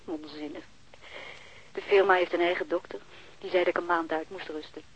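A woman's voice: on the low side, fairly even intonation, a little fast, breathy edge. An actress playing a weary, irritable woman in an audio drama, curt and exasperated. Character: weary, irritable woman wanting to be left alone. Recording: dull, band-limited radio drama recording.

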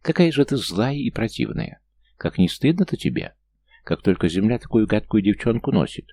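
A man reading an audiobook voices a tiny male gnome trickster who is petty, squeaky and whines indignantly. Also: sing-song, normal speed, warm tone.

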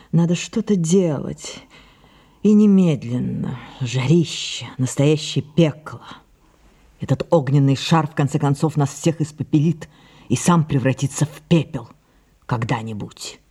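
A woman playing an imperious, capricious aging actress in an audio drama, breathy and languid, slipping into whispers. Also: a bass voice, dark tone, heavily acted. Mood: musing. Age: older. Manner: languid and musing, then sharply commanding.

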